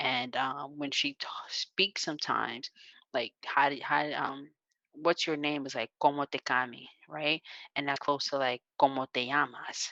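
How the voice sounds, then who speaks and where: A woman with an American accent and a very deep, low voice speaks at a fairly slow pace in a bright, sharp tone, her loudness swinging widely, with a dry, close sound with no echo and a quiet background. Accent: slight country. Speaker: podcast guest. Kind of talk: casual chat. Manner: animated.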